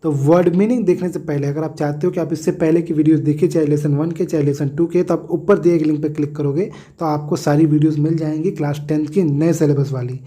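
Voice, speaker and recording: A man's voice: on the high side, fairly even intonation, fast, few pauses, warm tone. A man teaching a textbook lesson, explaining word meanings with everyday examples, often checking in with a tag question and correcting himself.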